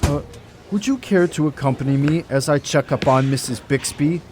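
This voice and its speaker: A man's voice: a little high, normal speed, a little mellow, soft background music, natural voice. A man playing a busy, worn-down hospital doctor in an amateur audio drama, speaking politely and a little formally. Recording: noisy home recording.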